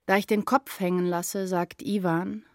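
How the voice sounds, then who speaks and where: An actress playing a troubled, introspective woman writer in a literary radio drama monologue, brooding and deliberate. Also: lowish voice, fairly even intonation, darkish tone. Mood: brooding, reflective. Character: troubled, introspective woman writer narrating her inner life. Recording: music behind the voice.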